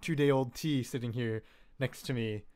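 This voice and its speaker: With a darkish, medium-pitched voice, fairly even intonation, and a measured pace, this man rambles through a casual live-stream lesson in vocal synth tuning. He keeps correcting himself, leans on "um" and "like," and throws in jokey asides in a laid-back manner.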